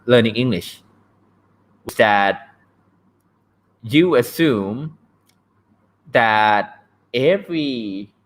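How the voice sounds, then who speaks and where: Hosting a casual livestream on language learning, this young man from Thailand speaks with a Thai accent and a voice on the low side. He's blunt, jokes around and keeps asking "right?", and the recording is low quality.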